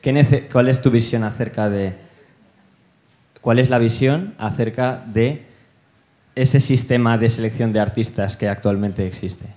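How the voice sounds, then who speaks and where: A man interviewing on a panel, asking a long question in a measured way while searching for his words. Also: medium pitch, darkish tone.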